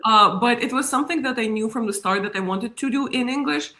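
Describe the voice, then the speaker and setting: A woman's voice: fairly high pitch, a little fast. Russian-accented woman in an echoey room. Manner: animated, laughs often. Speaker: guest, media strategist. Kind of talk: casual interview talk.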